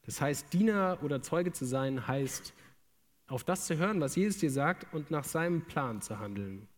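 A young man with a slightly raised voice preaches a sermon in a relaxed, humorous way, full of everyday slang. His voice carries a long reverb from the large hall around him. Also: fairly high pitch, normal speed. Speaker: preacher, theology student. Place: large room with an audience.

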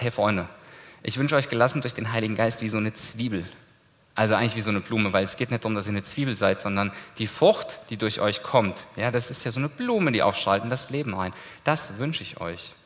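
A man preaching a sermon in a lively, informal way, dropping casual slang as he talks to his church. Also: on the low side. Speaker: pastor. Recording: long hall reverb.

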